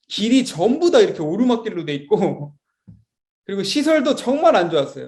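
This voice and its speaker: A young man, a Sunday school teacher, telling a story to children in a lively, expressive way. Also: high-pitched.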